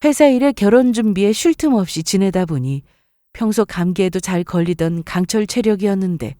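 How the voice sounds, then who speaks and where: Female story narrator, mid-pitched, dark mellow voice, scripted first-person delivery. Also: lively intonation, moderate pace, dry recording, clean studio sound.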